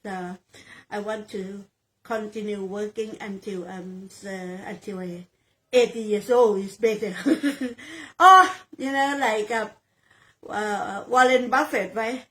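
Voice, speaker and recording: Slow-speaking Thai woman in her sixties. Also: mid-range voice, a bit bright, low-quality recording. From Thailand. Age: 60s. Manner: halting, searching for words, repeats phrases. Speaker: real estate sales agent. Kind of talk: interview answers in English.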